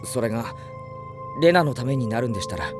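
A woman's voice: rumbling low, expressive, a little fast, music in the background. A woman voicing a hot-blooded, loyal teenage schoolboy in an audio drama, with blunt boyish speech. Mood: wary. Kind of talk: Japanese audio drama acting.

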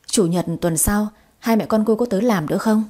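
An old housekeeper giving polite but firm warnings, as a woman reading the story does her. The tone is mellow and a bit breathy. It is a storybook read aloud. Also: mid-range voice, fairly quick, lightly acted. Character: old female housekeeper, stern but kindly.

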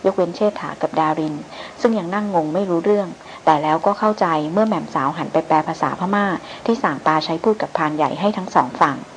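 A woman narrating an adventure novel in a steady, even reading voice. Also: fairly low pitch, fast, a little hiss or hum, poor audio. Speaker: audiobook narrator.

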